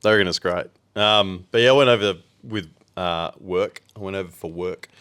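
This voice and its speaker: Laid-back Australian man, low voice. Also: normal speed, fairly bright tone, clean tone, dry recording. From Western Australia. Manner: laid-back, rambling with fillers. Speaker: podcast co-host. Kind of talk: casual chat.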